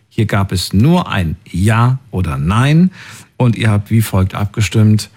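A man's voice: on the low side, darkish tone, husky. A man hosting a late-night call-in radio show from the studio, reading out listener poll results and messages. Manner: reads out listener polls and messages.

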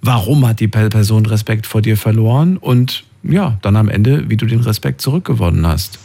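A man's voice: lowish voice, animated, moderate pace, creaky, dark tone. A man hosting a call-in talk show, questioning a caller closely and pushing back on his answers. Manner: probing, questions each answer. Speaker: radio call-in host.

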